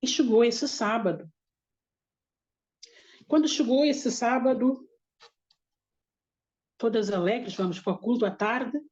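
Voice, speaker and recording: A woman's voice: fairly high pitch, takes it slowly, pauses often, a little mellow, lo-fi sound. Earnest woman giving a church testimony. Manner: earnest, emotional storytelling. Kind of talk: religious testimony.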